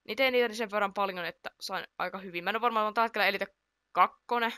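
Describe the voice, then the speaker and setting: Bright-voiced woman commentating her gameplay. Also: mid-range voice, smooth, no echo, clean studio sound. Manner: chatty, excitable, reacts aloud to play, self-deprecating. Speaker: gaming YouTuber.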